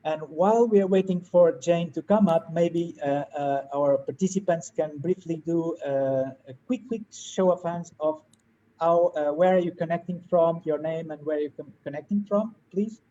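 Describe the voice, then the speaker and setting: A man's voice: fairly high pitch, normal speed, warm tone. A man hosting a workshop on a video call, polite and hesitant, with many fillers. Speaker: workshop host. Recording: dull lo-fi call audio with faint hiss.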